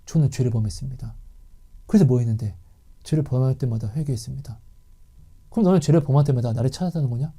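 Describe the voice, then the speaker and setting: A man voicing God as a gentle, patient figure who asks calm questions in a low voice. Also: fast talker, long pauses, slightly rough. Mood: gentle questioning.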